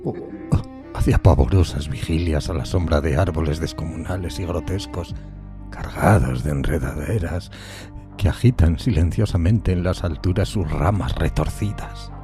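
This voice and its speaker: Man acting a deep-voiced, brooding gothic outcast. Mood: gloomy, mournful. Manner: brooding, solemn, halting dramatic delivery. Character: tormented solitary outcast man recalling a decayed gothic castle. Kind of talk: dramatic gothic horror audiodrama narration. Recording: music bed behind the voice.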